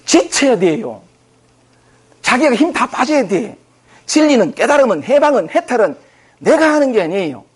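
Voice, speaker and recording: A man's voice: very high-pitched, vocal fry, breathy edge. A man, a spiritual teacher giving an informal dharma talk to a group. He speaks in a loose, conversational way, thinking aloud with repeated words and fillers. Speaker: spiritual teacher lecturing on scripture.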